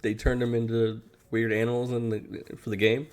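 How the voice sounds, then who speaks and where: A man's voice: medium pitch, little pitch movement, normal speed, a little mellow. A man chatting casually about cartoons and games, with casual swearing. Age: adult. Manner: casual, profane. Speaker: podcast host.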